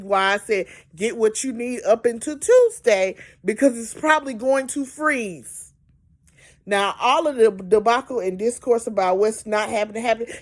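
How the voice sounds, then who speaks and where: Exasperated woman ranting. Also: a little high. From Georgia, US. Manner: exasperated, emphatic, repeats words for stress. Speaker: amateur weather commentator. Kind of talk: casual weather update rant.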